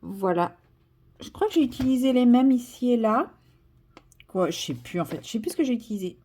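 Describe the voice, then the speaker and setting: French woman, casual vlog, higher voice, self-mocking, now and then whispering, desk camera. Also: animated, fairly quick, warm tone, husky. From France. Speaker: vlogger. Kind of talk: casual vlog while coloring. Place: indoors at a desk. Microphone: camera on tripod.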